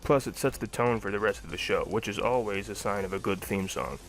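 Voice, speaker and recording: A man's voice: fairly low pitch, fairly quick, soft background music, poor audio. A young adult man narrating a scripted cartoon review.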